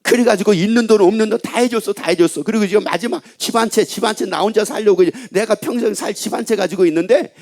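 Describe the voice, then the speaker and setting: A middle-aged man preaching a sermon as pastor, telling a story with lively asides and questions to the congregation. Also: high voice, quick pace, few pauses.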